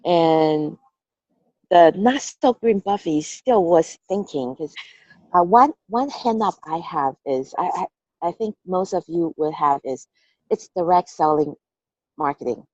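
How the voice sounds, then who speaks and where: A woman's voice: on the low side, lively intonation, unhurried, a little mellow, no echo. Taiwanese woman, candid, chatty storyteller. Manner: candid, laughing, with hesitant restarts and "okay" fillers. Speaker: interviewee. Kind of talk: casual interview. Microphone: call recording. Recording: dull lo-fi call audio.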